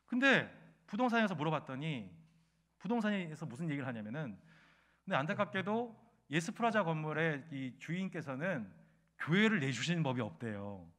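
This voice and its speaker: A middle-aged man preaching in a church, with a fairly high voice. He tells his story and keeps asking the congregation questions, swinging from quiet asides to loud, ringing pleas. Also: big pitch swings, moderate pace. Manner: storytelling preacher who asks the congregation questions and surges loud when emotional. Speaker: pastor. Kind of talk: sermon. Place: church sanctuary.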